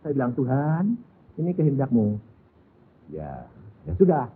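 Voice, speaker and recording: A man's voice: medium pitch, big pitch swings, unhurried, slightly rough. A middle-aged man, preaching a sermon as a folksy storyteller who acts out family dialogue. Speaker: pastor. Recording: lo-fi phone-like audio.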